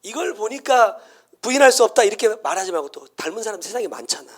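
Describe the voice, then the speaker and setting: A middle-aged man with a Jeolla Korean accent, preaching a sermon as pastor, dropping to hushed whispers and rising to shouts. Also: high voice, lively intonation, fast talker.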